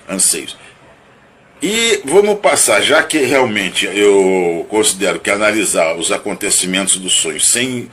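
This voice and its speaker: A man from Rio de Janeiro, Brazil, muses aloud in a bright-toned voice on the low side, with slight background noise. Recounting and analyzing his own dream in a reflective monologue, he is halting and searching, restarting and repeating words, thoughtful, hedging and self-analytical.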